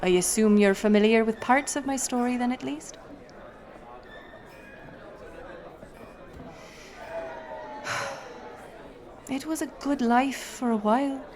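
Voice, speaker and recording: A woman's voice: a little high, a little mellow, close to an everyday voice. A woman playing a wry, roguish pirate smuggler captain, telling her tale theatrically in an audio roleplay. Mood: wistful, sly. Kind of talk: in-character audio roleplay storytelling.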